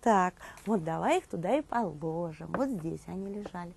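A woman in her thirties presenting a children's show and telling tales in an expressive way for young listeners. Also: lowish voice, normal speed, vocal fry, breathy edge. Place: indoor TV studio dressed as a nursery.

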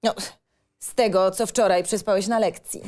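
A woman's voice: medium pitch, steady tone, normal speed, a little mellow, natural voice. An actress playing a strict, exasperated female schoolteacher in an audio drama script reading, with a sarcastic, scolding manner. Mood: sarcastic, stern.

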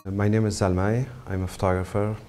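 A middle-aged man from Afghanistan, a photographer, speaking English as a second language in a halting interview to camera with many pauses and fillers. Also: lowish voice, level tone, over loud music. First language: not English. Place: indoor studio set with brick wall.

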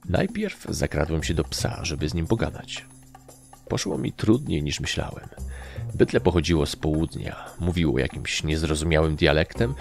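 A deep, gravelly-voiced Polish man reads a first-person tale with a lively, swinging delivery. Soft music plays quietly behind him. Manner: animated, voicing characters with raised shouts. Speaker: audiobook narrator. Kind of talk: first-person audiobook narration.

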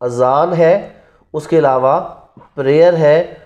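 A law teacher in his thirties with a Pakistani accent lectures indoors in front of a classroom whiteboard, mixing Urdu and English terms. His voice is a little high with a darkish tone and a slow pace. He poses rhetorical questions and repeats key terms.

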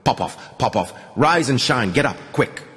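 A man's voice: medium pitch, expressive, normal speed, fairly bright tone, pitched above the performer's own voice, natural voice. A man voicing a brusque army commander who barks urgent orders in an audiobook. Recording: long reverb.

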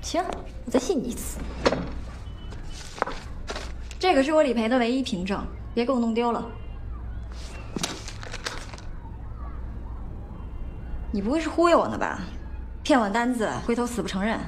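A feisty young woman seller in a film drama, sharp-tongued and suspicious. Her high voice swoops around in a roomy space, with music behind. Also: very animated, quick pace. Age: young adult. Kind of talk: film dialogue. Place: cluttered small indoor stockroom.

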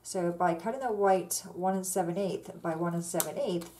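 At an indoor craft table, a woman gives a relaxed, chatty card-making tutorial, explaining each step with fillers. Her voice is fairly low and moderately paced. An overhead camera on the tabletop shows just her hands.

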